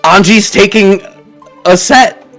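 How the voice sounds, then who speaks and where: A man commentating a fighting game tournament, excitable and animated, breaking into shouts at big plays. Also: high-pitched, slow pace, low-quality recording. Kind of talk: esports play-by-play commentary. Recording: music playing underneath.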